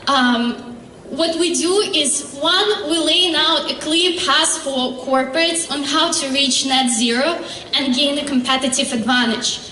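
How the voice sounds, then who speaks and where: A woman founder giving a startup pitch and answering questions, earnest and halting, with many fillers and restarts. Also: bright, forceful tone, a little hiss or hum. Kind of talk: pitch presentation and Q&A. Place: convention hall stage. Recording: echoey hall, distant mic.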